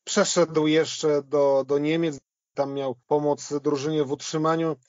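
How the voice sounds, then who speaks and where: Higher-pitched man talking football, dull dry sound. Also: level tone, unhurried, a little mellow, no room sound. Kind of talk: conversational football retrospective.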